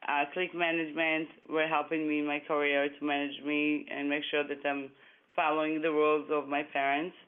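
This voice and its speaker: A woman's voice: deep voice, flat delivery, normal speed. Israeli-accented woman on a phone line. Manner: chatty, laughs often, many fillers. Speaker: guest. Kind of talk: casual interview.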